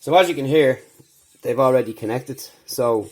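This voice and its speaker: A man with an Irish accent speaks at a moderate pace, medium in pitch with ordinary pitch variation. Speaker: tech reviewer. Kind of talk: casual talk to camera.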